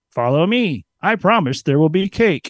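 Using a put-on character voice, a man speaks high in pitch at a moderate pace.

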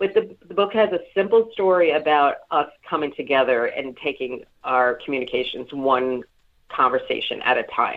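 In a New York accent, a woman speaks at a moderate pace with a very deep, low pitch and lively intonation. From New York City (Queens). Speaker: executive coach and author. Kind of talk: podcast interview. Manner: animated.

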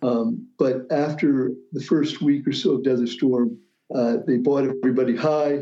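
With a dark, mellow tone, a man speaks at medium pitch and a moderate pace with ordinary pitch variation. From New York, with years in Athens, Greece. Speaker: author, former navy and airline pilot. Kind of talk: casual interview. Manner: halting.

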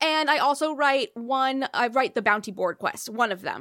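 A woman's voice has a bright, sharp tone. The recording is very clean, with a silent background. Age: 20s. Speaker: tabletop game writer. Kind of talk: casual chat.

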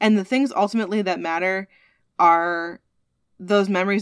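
In a very clean recording with a silent background, a woman with a medium pitch talks at a fairly quick pace in an ordinary speaking voice. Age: 30s. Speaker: nurse, podcast co-host. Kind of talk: casual chat.

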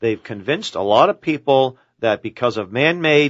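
A man with a Massachusetts accent, medium pitch and moderate pace. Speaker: political activist. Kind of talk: radio interview. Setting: radio studio.

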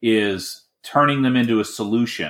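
With a Canadian accent, a man talks at a fairly slow pace in a bright, sharp tone. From Canada. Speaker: model show organizer, guest. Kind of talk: casual chat.

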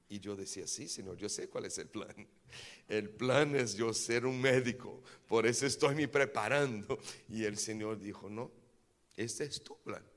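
A man with a Portuguese accent, medium pitch, fairly even intonation, big swings in loudness and a fairly slow pace. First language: Portuguese (speaking Spanish). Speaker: pastor. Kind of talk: sermon. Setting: church.

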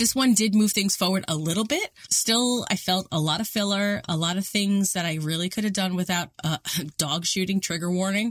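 With a New York accent, a woman talks at a moderate pace with ordinary pitch variation over noticeable background noise. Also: medium pitch for a woman. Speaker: podcast co-host. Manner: casual, laughs often.

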